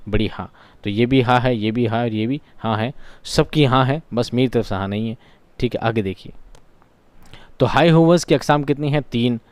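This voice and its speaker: A male teacher with a smooth, clear voice, recorded close and dry. He keeps firing questions at his listeners and answering them himself, going over each term again and again. His carries a flavour. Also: mid-range voice, a little mellow, no echo. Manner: asks questions and answers them himself, repeats key terms. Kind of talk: classroom-style grammar lesson.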